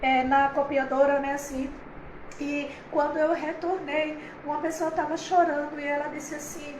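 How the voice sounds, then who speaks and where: A woman's voice: sits high, little pitch movement, normal speed, roomy sound, noisy background. A woman pastor, preaching a heartfelt, conversational sermon on a livestream, with many fillers.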